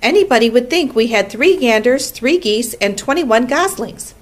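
A woman reading a storybook aloud, voicing a wise, precise female spider who runs a barn meeting in a brisk, tart, schoolmarmish way. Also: fairly high pitch, expressive, pitched above the performer's own voice, natural voice.

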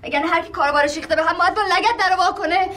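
A woman's voice: very high voice, bright, forceful tone, recorded from a distance. An actress playing a defensive young woman staying with her sister, pleading one moment and defiant the next. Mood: accusing. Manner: pleading then defiant, apologetic in bursts. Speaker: visiting sister-in-law. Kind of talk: film drama acting.

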